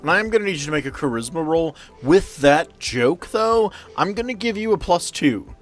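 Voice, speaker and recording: A man's voice: a little high, lively intonation, moderate pace. A man speaking as game master, improvising narration and explaining rules at a tabletop role-playing game. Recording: music behind the voice. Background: music.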